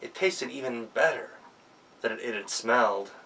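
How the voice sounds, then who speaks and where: Creaky, bright-voiced male storyteller. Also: medium pitch, moderate pace, recorded from a distance, a little hiss or hum, poor audio. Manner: expressive, with dramatic emphasis. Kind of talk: live oral folktale narration.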